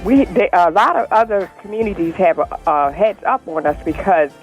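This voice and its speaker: A woman's voice: on the low side, moderate pace, dull audio, soft background music. Rambling older woman calling in. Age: 60s. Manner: earnest, rambling with many restarts. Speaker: caller. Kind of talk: casual call-in chat.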